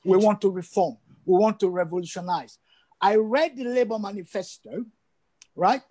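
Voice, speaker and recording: A man's voice: high-pitched, normal speed, warm tone. Older man, emphatic on a video call. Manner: emphatic, repeats phrases for stress. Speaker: guest. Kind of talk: interview over video call. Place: indoor room at home.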